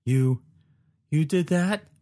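A man's voice: a little high, slow, mellow, voice pushed up. A man voicing a frightened young boy who pleads and asks questions. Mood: alarmed. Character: young boy learning a mind power, frightened.

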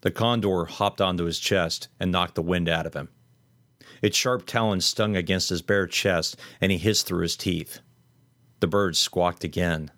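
A man reading a horror story aloud in steady, measured scripted narration. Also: sits low, dry recording.

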